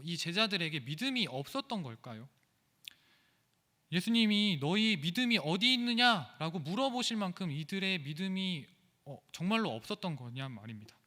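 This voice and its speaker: Bright-voiced preacher in a church hall. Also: male voice, sits high. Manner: earnest, rhetorical questioning. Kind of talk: sermon. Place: church sanctuary.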